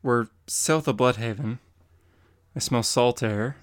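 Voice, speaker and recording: A man's voice: medium pitch, slow, clear, resonant tone, dry recording, studio quality, close to an everyday voice. A man voicing a cheeky teenage boy sidekick in a dramatic comic reading, asking curious questions.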